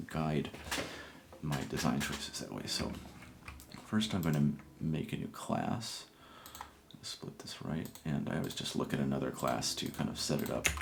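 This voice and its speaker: A man mumbles at a moderate pace with a very deep, low pitch. Audible room echo surrounds his voice. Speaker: programmer and livestreamer. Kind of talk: live coding tutorial. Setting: livestream, home setup. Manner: halting, repeats words; mumbling to himself.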